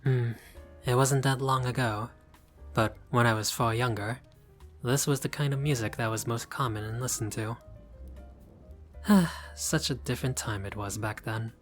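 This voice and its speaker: A man's voice: medium pitch, normal speed, faint music behind, natural voice. A man playing a haughty but friendly vampire lord in a roleplay audio, speaking in a formal, fussy, politely pompous way. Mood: wistful. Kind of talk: scripted roleplay audio addressed to the listener.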